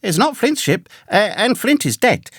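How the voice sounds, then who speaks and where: A man puts on a young boy hero from a sea story. The voice is lifted high and moves about with animation, earnest, bold and plain-spoken, with a dry close sound. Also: big pitch swings, normal speed, a bit bright, slightly rough, no room sound, exaggerated voice. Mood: frank.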